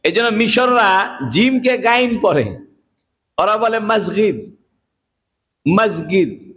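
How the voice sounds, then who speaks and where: A man's voice: high-pitched, lively intonation, takes it slowly, a bit bright. A man giving a sermon, explaining earnestly and asking rhetorical questions. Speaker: Islamic preacher.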